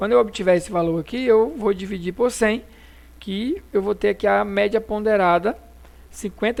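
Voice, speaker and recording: Here is a plain, everyday voice with ordinary pitch variation. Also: woman. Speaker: chemistry teacher. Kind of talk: recorded lesson review.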